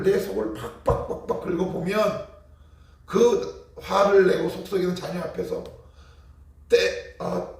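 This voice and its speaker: A man, a pastor, preaching at a morning prayer service, animated and emphatic, with rhetorical questions to the congregation. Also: high voice, gravelly. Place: church sanctuary. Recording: echoey church hall, mic at a distance.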